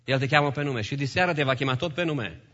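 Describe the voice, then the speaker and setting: A man preaching a sermon in a church, swinging between loud calls to the congregation and hushed, low lines. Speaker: pastor. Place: church hall. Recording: long hall reverb, dull lo-fi sound.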